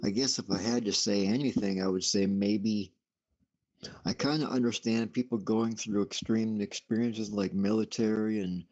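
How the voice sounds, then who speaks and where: A man's voice: fairly low pitch, fairly even intonation, moderate pace, a little mellow. A man chatting casually in a tentative, noncommittal way as a show participant. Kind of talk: casual chat. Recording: dull lo-fi radio-app audio.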